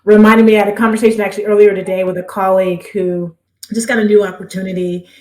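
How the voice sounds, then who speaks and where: A woman's voice: mid-range voice, flat delivery, fast talker, a little mellow. Affirming woman host, echoey room. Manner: affirming, upbeat, conversational with tag questions. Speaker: podcast host. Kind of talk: casual interview chat.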